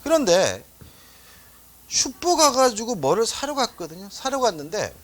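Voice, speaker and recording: A middle-aged man teaches law for an exam course in a conversational way. His pitch rises and falls a great deal. He keeps asking the class rhetorical questions. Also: very animated, measured pace, fairly bright tone. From Seoul, South Korea. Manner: chatty, asks rhetorical questions, tells anecdotes. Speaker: law lecturer. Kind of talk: exam-prep lecture.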